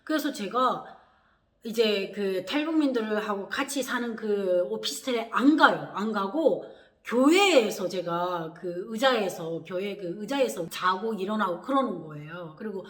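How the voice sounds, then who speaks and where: A woman from Korea, telling her personal story in a lively way, acting out what others said. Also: medium pitch, unhurried. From North Korea. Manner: animated, acts out quoted voices with gasps and laughs. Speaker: vlogger. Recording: echoey room.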